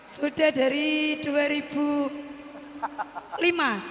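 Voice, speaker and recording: A woman from East Java with a Javanese accent and a hoarse voice, an audience member giving short, polite, deferential answers. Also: sits high, level tone, very slow. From East Java, Bojonegoro. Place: large venue with a congregation. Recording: echoey hall.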